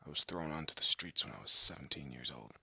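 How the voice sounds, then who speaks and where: A man voicing a hardened ex-gangster husband in an audio roleplay, talking in a low threatening whisper. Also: fast, gravelly, bright, forceful tone, husky, dry recording, clean studio sound, heavily acted. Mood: somber. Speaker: voice actor.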